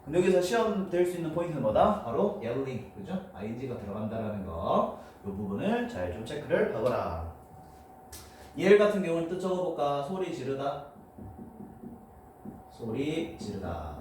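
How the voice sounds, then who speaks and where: A man's voice: on the high side, big pitch swings, normal speed, darkish tone. Man teaching English in an echoey room. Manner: explains step by step, often asking students for agreement. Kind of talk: classroom lecture. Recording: roomy, distant, noisy room mic.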